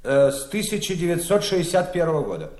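A dutiful agent reading off a dossier, slightly high voice, roomy echo. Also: male voice, fast talker. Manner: formal, reporting in a flat businesslike tone. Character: dutiful male subordinate agent.

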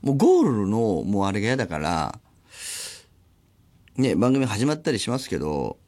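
A man in his forties talks alone on a radio show, easy and chatty. His pitch swings widely from line to line as he slips into quick impressions of the people in his stories. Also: wildly swooping pitch, darkish tone. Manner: chatty, acts out others' lines in quick voices. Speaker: radio host. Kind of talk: solo radio talk.

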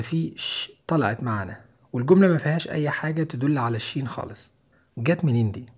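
A man with an Egyptian Arabic accent teaching an English listening lesson. He explains patiently and repeats English phrases slowly and clearly. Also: fairly high pitch, a little mellow. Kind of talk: online language lesson.

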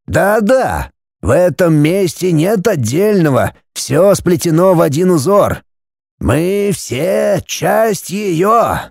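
A sorrowful old sage with a grey beard speaks slowly and prophetically, as a man puts him on. The voice sits noticeably higher than the narrator's own and stays mellow and soft-edged. Its pitch rises and falls widely. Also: sing-song, vocal fry, no echo, studio quality, exaggerated voice. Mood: calm mystical.

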